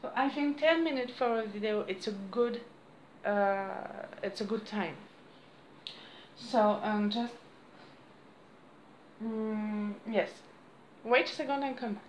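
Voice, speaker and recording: A woman in her thirties with a French accent, chatting to camera at home in halting English, losing her voice. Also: on the high side, reverberant, a little hiss or hum, rough recording. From France. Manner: halting non-native English with frequent restarts and apologies. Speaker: crafts vlogger. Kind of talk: casual chat to camera. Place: small room indoors at home. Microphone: camera on a desk close by.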